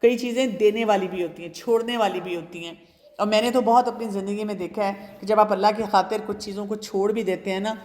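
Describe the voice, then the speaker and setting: A woman giving a talk on parenting and faith, calmly advising her listeners and addressing them directly. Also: medium pitch, long reverb tail. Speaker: speaker answering audience questions.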